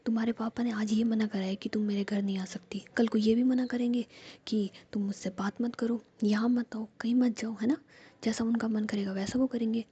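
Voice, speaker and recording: A woman whispering the part of a hurt young woman who reproaches her partner with sharp questions. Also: a little high, steady tone, a little fast, breathy edge, highs cut off. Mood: accusing.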